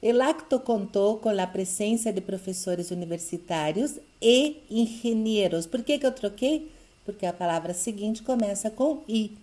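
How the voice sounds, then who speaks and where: A woman's voice: medium pitch, mellow. A woman teaching a Spanish grammar review lesson online, explaining answers step by step and checking in with the class as she goes.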